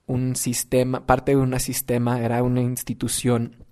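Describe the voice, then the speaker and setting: Young man, community organizer; mellow and flat, stop-start telling. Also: medium pitch, moderate pace. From United States. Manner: hesitant, many restarts and fillers. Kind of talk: personal storytelling.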